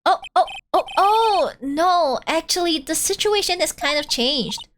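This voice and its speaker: Woman as an earnest, animated young male defense attorney. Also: very high-pitched, measured pace, a little hiss or hum, exaggerated voice. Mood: flustered.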